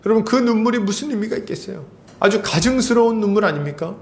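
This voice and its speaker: A man's voice: sits high, lively intonation, fast, a little hiss or hum. A man pastor preaching an expository sermon, emphatic, acting out Bible scenes and asking the congregation rhetorical questions.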